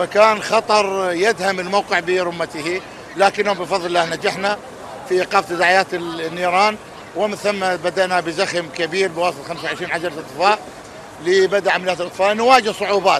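Speaking at a moderate pace, a man uses a high pitch and a monotone, flat intonation. The sound is dry with no echo, though noticeable background noise is present. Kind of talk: interview answer. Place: street. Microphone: handheld.

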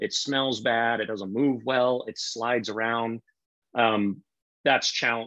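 A man's medium-pitched voice in an American accent, bright and sharp in tone, at a moderate pace, with a dry sound, no echo and a quiet background. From US West (California/Nevada). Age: 40s. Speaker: entrepreneur; podcast guest. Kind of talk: casual interview. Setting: video call. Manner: halting, many fillers. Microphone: video call.

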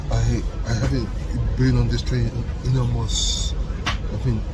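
Noticeable background noise accompanies a man's fairly slow speech. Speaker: travel vlogger. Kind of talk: casual vlog chat. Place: train. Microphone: phone near.

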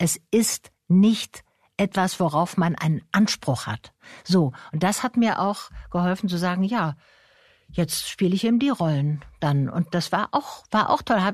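A woman with a medium pitch and lively intonation speaks at a fairly slow pace, somewhat breathy. The sound is dry and close with no echo, over a quiet background. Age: 70s. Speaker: actress and satirist. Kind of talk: interview answer.

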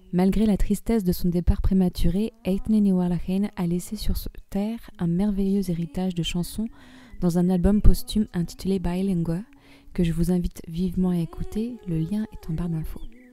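A woman's calm, gentle, dark and mellow voice at medium pitch, in a flat monotone at a moderate pace. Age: 30s. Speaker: crafter and musician vlogger. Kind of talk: scripted narration.

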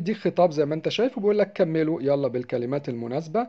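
Against a quiet background, a man with a dark, mellow tone speaks with very wide pitch swings. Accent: Egyptian. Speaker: French teacher. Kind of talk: tutorial.

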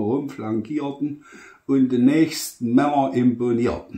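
A man with a Saxony-Anhalt accent, very slow delivery, a dark, mellow tone, audible room echo and a quiet background. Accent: Mansfeld dialect, Saxony-Anhalt. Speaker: dialect poem reciter. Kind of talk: dialect poetry reading. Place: home room. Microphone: phone near.

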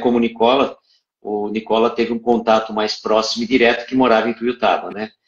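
Audible room echo surrounds a man's voice. He talks at a fairly quick pace. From Brazil. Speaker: spiritist livestream host and lecturer; spiritist livestream host, lecturer. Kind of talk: casual chat. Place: home room. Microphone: earbuds.

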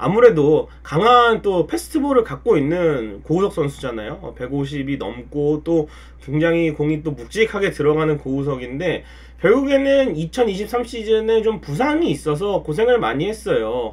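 A man speaks fairly slowly in a fairly high pitch. His pitch swings very widely. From South Korea. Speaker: baseball YouTuber, fan commentator; baseball channel host. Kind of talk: solo commentary video.

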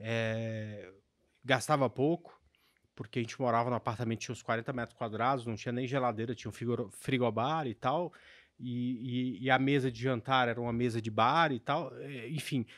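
The man keeps his intonation fairly even and his pace moderate, with a quiet background behind him. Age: 40s. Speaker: trader and market analyst; market analyst. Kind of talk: casual podcast chat. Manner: hesitant, many fillers and repetitions. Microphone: studio mic.

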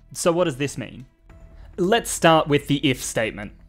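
Faint music is heard in the background. A man talks over it. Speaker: game dev tutorial maker. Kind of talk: tutorial. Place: home room. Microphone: studio mic.

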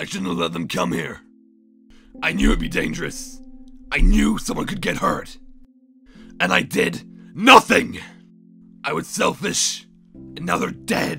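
Faint music plays behind a raspy man who speaks at a moderate pace with long, frequent pauses. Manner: self-reproaching, then loud and relieved.

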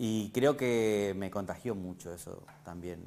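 A man with a fairly low pitch talks very slowly, with ordinary pitch variation. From Argentina, Corrientes and Misiones; Argentina. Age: 30s. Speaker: motorcycle traveler; interview guest. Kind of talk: interview. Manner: halting. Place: studio.

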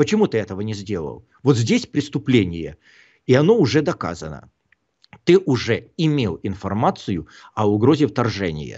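A man's fairly low voice in an animated tone, with very wide pitch swings, a moderate pace and long, frequent pauses, against a quiet background. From Ukraine. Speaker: political commentator. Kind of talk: political commentary monologue. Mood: indignant, critical. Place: home room. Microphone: video call.

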